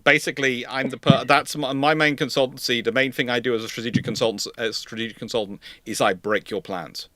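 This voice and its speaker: A man's voice: medium pitch, steady tone, fast talker, few pauses, pushed and bright, no echo. A man answering questions on a live history stream, repeating and restating himself emphatically as he explains. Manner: hesitant repetitions, emphatic restating. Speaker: host of a naval history livestream, consultant.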